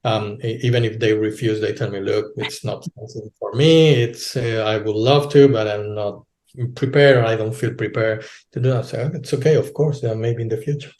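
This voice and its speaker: A man's voice: fairly low pitch, steady tone, a little mellow. Male guest, hesitant with frequent restarts, recorded in a roomy space. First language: Spanish. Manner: halting, many repeated words and restarts. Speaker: guest, localization business owner. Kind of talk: casual interview talk. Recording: roomy echo.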